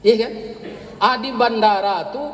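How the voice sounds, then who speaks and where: Male Minangkabau preacher, higher-pitched, lively storyteller working the crowd, long hall reverb. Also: unhurried. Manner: lively, addresses the crowd with tag questions. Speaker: Islamic preacher. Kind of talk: sermon with storytelling and jokes. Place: large hall with a congregation.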